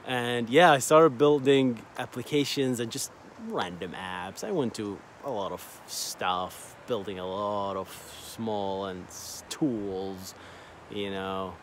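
A man's voice: lowish voice, slow pace, a little hiss or hum. Rambling Arabic-native man outdoors. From Bahrain. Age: 30s. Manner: rambling, repeats words, many fillers. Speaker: vlogger. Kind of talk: casual personal storytelling. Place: outdoors by a lake in a park. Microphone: phone held at arm's length.

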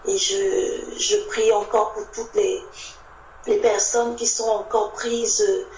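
A woman's voice: medium pitch, little pitch movement, slow pace, darkish tone. Woman, informal faith testimony, far from the mic, roomy echo, faint noise. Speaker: church member sharing at a Bible meeting. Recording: muffled, distant, echoey, noisy recording.

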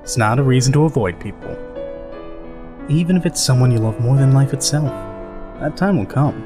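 A man's voice: medium pitch, normal speed, music in the background, natural voice. A man playing a chatty, joking, easygoing male soldier in a fan dub of a game scene. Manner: chatty, joking, laughs easily. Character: easygoing, rambling older male soldier, goofy.

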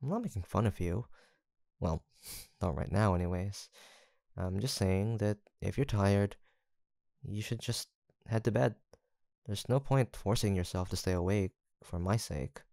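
A man playing a gentle, teasing young college roommate in an intimate audio roleplay, with a soft-spoken, hesitant manner. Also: on the low side, unhurried, gravelly, no echo, clean studio sound. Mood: gentle, tender. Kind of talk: intimate boyfriend-style roleplay acting, one-sided conversation.

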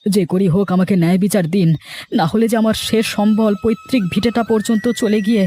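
A man voicing a desperate poor villager in a cartoon, pleading in a halting, servile way. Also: high-pitched, steady tone, dark tone, slight background noise, pitched above the performer's own voice, close to an everyday voice.

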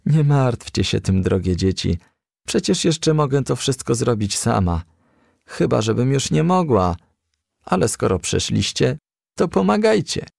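A kindly old firefly auntie from a storybook, independent and good-humoured, played by a man. The voice is lifted above a low, creaky register, with dry sound. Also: very animated, unhurried, a little mellow, no echo, heavily acted. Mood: kindly, reassuring. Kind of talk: storybook character reading.

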